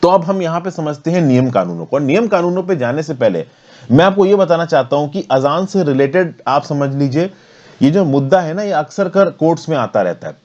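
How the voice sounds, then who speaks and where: A man's voice: on the high side, lively intonation, brisk, darkish tone, lo-fi sound. An Indian man giving an explanatory current affairs lecture in a conversational, step-by-step manner, mixing in English terms. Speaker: teacher, current affairs educator.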